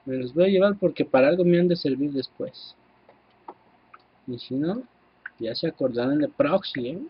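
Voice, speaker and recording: A man with a Mexican accent giving casual, excitable gameplay commentary, swearing freely and talking to his viewers. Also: on the high side, normal speed, husky, lo-fi sound. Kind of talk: casual let's-play commentary.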